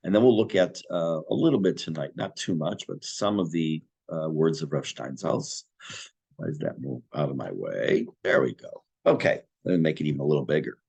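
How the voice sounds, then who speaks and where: An older man teaching a Torah class in a conversational, self-deprecating way, his voice going hoarse and interrupted by throat clearing. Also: a bass voice, a little mellow. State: losing his voice. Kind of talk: Torah class, explaining text.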